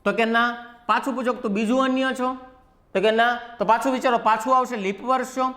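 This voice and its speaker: A man with a Gujarati accent giving a reasoning lecture, firing rhetorical questions at his students and acting out little dialogues to make each step clear. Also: very high voice, fairly even intonation, a little fast, bright, forceful tone. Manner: acts out dialogues with the numbers. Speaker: reasoning teacher. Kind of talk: classroom lecture.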